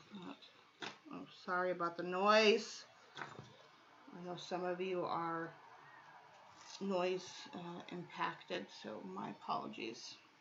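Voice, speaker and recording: A woman's fairly low voice at a very slow pace, with long, frequent pauses, ordinary pitch variation, big swings in loudness, audible room echo and noticeable background noise. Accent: American. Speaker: mixed media artist. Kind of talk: live stream tutorial. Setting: live stream. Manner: casual, thinking aloud.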